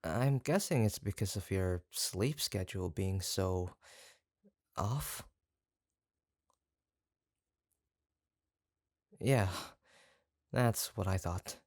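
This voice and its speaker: An obsessive yandere kidnapper from a roleplay audio drama, acted by a voice performer, speaking slowly in a creaky, fry-laden voice. The delivery is doting and possessive, yet awkward and hesitant, rambling along in a close, dry recording. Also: low-pitched, no room sound. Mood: relieved, doting. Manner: hesitant, rambling, soft-spoken menace with nervous chuckles.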